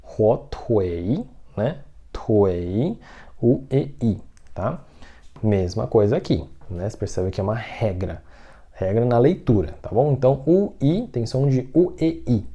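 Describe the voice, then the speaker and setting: A man's voice: medium pitch, animated, slow pace, dark tone, slightly rough, lo-fi sound. A man teaching an online language lesson, patiently repeating each word and often checking that the listener is following.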